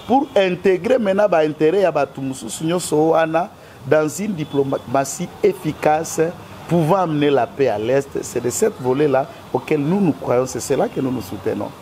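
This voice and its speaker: A man's voice: a little high, lively intonation, normal speed, mellow, slight background noise. A man with a Congolese French accent, a guest in a political interview, speaking in an emphatic, argumentative way.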